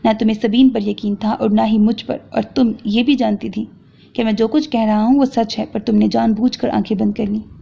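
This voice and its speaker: A woman reads the part of a furious young man berating and accusing his wife in a romance audio novel, giving it a full character voice. Her pitch is on the high side and steady, with a creaky, mellow, slightly rough quality, and the tone is angry and accusatory. Sound quality is dull lo-fi.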